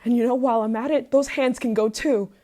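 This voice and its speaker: A woman's voice: on the high side, fairly even intonation, fairly quick, dark tone, lightly acted. A woman playing an obsessive, possessive, murderous yandere lover in an intimate ASMR roleplay monologue, moving between whispers and frantic outbursts. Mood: jealous, frantic rage.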